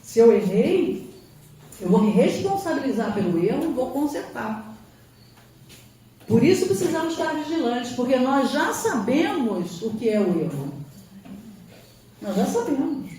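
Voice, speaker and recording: A woman's voice: high voice, big pitch swings, measured pace, long pauses, dark tone, a little hiss or hum. A woman giving an emphatic spiritual lecture, sometimes acting out quoted voices. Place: lecture hall. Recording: roomy hall from far off, faint ambience.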